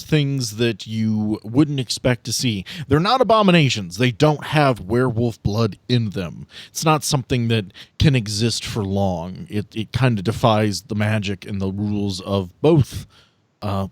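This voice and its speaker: A man's voice: mid-range voice, no echo. A man acting as game master, narrating a tabletop role-playing game in a casual, explanatory way. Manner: casual, explanatory, joking asides.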